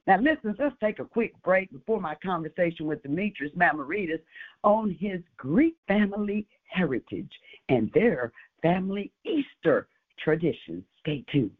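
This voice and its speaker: A woman hosting a radio show, delivering a measured, emphatic devotional message and then interviewing a guest. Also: lowish voice, expressive, breathy edge. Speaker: radio host. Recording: tinny phone-like radio audio.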